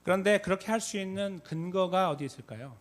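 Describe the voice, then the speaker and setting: A man pastor giving a conversational sermon, with frequent filler pauses. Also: sits high. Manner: conversational, many fillers, reenacts shouted call-and-response. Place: church sanctuary.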